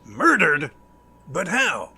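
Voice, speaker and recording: A man's voice: fairly high pitch, wildly swooping pitch, drawn-out words, pushed and bright, breathy edge, heavily acted. A man playing a puzzled, intrigued confidant asking questions in an amateur audio drama, with an inquisitive, musing manner. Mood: puzzled, curious.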